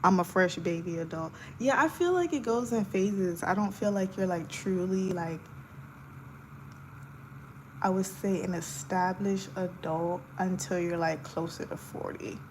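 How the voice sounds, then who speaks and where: A woman's voice: fairly low pitch, measured pace, a little hiss or hum, low-quality recording. A young woman in her twenties, chatting casually with viewers while she sketches, giggling often and using lots of filler words. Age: 20s. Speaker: art livestreamer.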